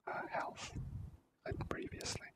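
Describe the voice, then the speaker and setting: Slow, whispering gaming ASMR host. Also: a bit bright. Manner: unhurried, halting, thinking aloud. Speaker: host, video game player.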